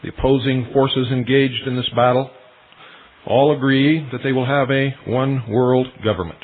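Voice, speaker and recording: A male radio host delivering a solemn, deliberate monologue, speaking straight to his listeners as ladies and gentlemen. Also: medium pitch, steady tone. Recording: tinny shortwave radio broadcast.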